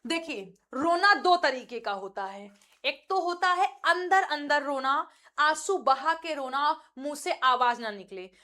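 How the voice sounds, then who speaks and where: A woman's voice: high-pitched, expressive, unhurried, sharp tone. A woman teaching English in Hindi, explaining with vivid examples and putting questions to her viewers. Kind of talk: spoken-English lesson in Hindi.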